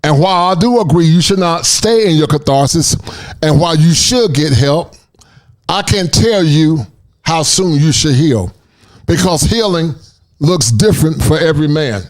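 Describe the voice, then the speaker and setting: A man's voice: a little high, lively intonation, normal speed, rough recording. A man giving earnest, preachy commentary aimed straight at other men. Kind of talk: motivational commentary to the camera.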